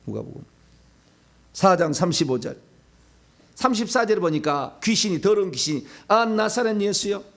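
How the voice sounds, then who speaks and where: A middle-aged male pastor giving a sermon, preaching animatedly and acting out demons' pleas and shouted commands. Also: high-pitched, animated, normal speed, long pauses.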